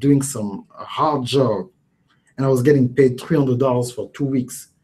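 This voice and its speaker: A man with a strong French accent speaks somewhat breathily at a fairly slow pace, with a medium pitch, fairly even intonation and a dark, mellow tone. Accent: thick French. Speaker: social media marketing trainer. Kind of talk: live training webinar. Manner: halting, repetitive.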